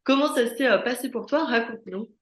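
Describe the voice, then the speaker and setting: A woman's voice: fairly high pitch, fairly quick, echoey room. A woman hosting a podcast interview, asking questions and encouraging her guest with short affirmations. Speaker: podcast host. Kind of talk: conversational interview.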